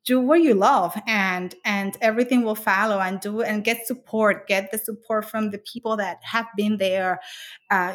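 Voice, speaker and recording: A middle-aged woman from the Dominican Republic, talking earnestly in an interview about her work and life, with frequent restarts and fillers. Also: mid-range voice. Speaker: author and interviewee. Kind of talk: conversational interview.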